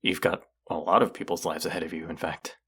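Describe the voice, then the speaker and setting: A man acting an earnest, gently wry thousand-year-old immortal in an intimate audio roleplay, speaking in a hesitant, confiding way. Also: deep voice, flat delivery, fairly quick, breathy edge. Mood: reassuring, wry. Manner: hesitant, confessional, softly reassuring.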